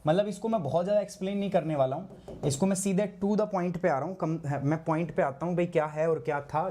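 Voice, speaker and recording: A hoarse man teaching a live online geography class, asking his students questions and answering them himself, with English terms mixed in. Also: high-pitched, dark tone. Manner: clears his throat often.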